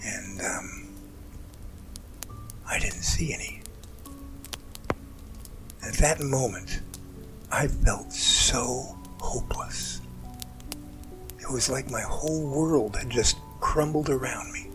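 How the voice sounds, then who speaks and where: A man playing an emotional rescuer in an amateur audio drama, recounting events in an earnest, halting, dramatic way. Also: medium pitch, in a whisper, lightly acted. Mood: earnest, awed. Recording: music bed under the voice.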